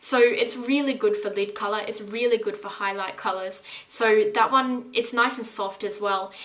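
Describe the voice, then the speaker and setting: Noticeable background noise sits under this recording. A woman speaks at a moderate pace with a fairly high pitch. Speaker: beauty vlogger. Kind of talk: makeup product review to camera. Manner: casual, hesitant with fillers.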